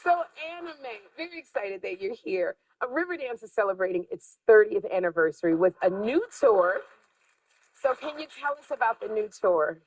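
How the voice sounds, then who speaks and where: A woman's voice: medium pitch, lively intonation, normal speed, rough recording. A woman hosting a TV show segment, bubbly and playful, exclaiming as she chats with guests in a studio. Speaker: TV morning show host. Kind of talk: lively TV segment chat.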